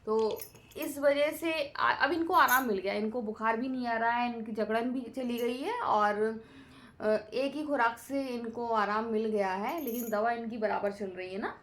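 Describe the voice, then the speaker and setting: A woman's voice: on the high side, unhurried, a bit bright. A woman in her thirties talking casually in a family vlog, chatty and rambling with many fillers. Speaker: vlogger.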